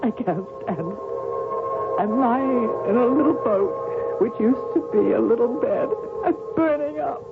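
A tormented tennis champion. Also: female voice, a little high, animated, measured pace, vocal fry, over loud music. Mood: feverish. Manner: feverish, dreamlike monologues. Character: anguished young woman tennis champion, tormented. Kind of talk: 1940s radio acting. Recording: tinny old radio broadcast.

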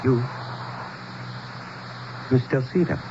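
An actor playing an earnest, anxious townsman and guide, halting and persuasive, in a 1970s radio drama style. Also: close to an everyday voice. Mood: urgent, astonished. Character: earnest, anxious male town guide pleading with an outsider. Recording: noisy, muffled old radio broadcast.

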